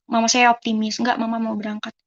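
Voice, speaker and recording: A woman's voice: on the high side, flat delivery, quick pace. Young woman telling her life story, muffled. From Indonesia. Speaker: testimony speaker. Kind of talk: personal life testimony.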